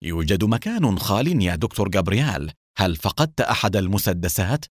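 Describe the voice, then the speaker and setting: A man's voice: deep voice, very animated, fairly quick, no room sound, studio quality. A man voicing a male doctor who asks direct, probing questions. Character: male doctor, investigator's sharp partner.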